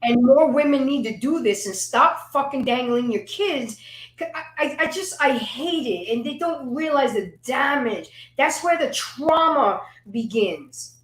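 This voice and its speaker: A fairly high-voiced woman talking with passion in a casual panel chat, cursing freely and tripping over repeated words as she builds a point. Her voice carries the echo of a bare, roomy space. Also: fairly bright tone. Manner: emphatic, profane, repeats words when worked up.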